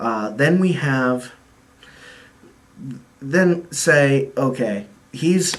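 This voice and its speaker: Noticeable background noise surrounds a man with a fairly high pitch. He speaks very slowly, with long, frequent pauses. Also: ordinary pitch variation. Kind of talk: casual talk to camera. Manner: rambling, stuttering.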